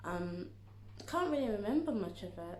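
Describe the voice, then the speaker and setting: Audible echo from the room around a woman's moderately paced speech. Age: 20s. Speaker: YouTuber. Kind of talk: casual vlog chat. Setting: talking to camera. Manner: casual, hesitant.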